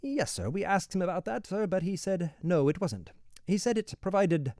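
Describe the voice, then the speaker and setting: A man putting on a cheery, long-winded prison warder, higher voice, bouncing lively pitch, sir after every phrase, dry close sound. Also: normal speed, no room sound. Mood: chatty. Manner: rambling, deferential, says "sir" constantly. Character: cheerful chatty male prison warder, polite.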